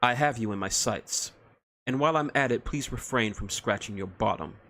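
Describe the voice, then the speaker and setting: A man's voice: medium pitch, normal speed, a bit bright, close to an everyday voice. A man voicing a cold, formal elven woman sniper who speaks in a clipped, precise way. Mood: icy.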